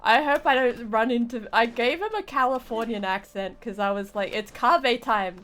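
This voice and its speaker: A woman's voice: fairly high pitch, normal speed, fairly bright tone, slight background noise. A woman chatting casually as she live-streams a video game, rambling and often restarting her phrases. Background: game music.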